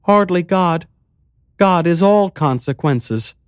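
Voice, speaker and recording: A man voicing a calm, cryptic village mayor, a woman with a hollow, weirdly musical voice, in an audiobook. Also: sits high, clear, resonant tone, no room sound, studio quality, voice pushed up. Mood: serene. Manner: serene, measured, cryptic. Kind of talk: audiobook character voice.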